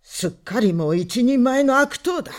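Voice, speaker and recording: A woman voicing a gruff, menacing older tavern keeper. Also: medium pitch, sing-song, a little slow. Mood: scornful threatening. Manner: rough, coarse, slurred working-class speech.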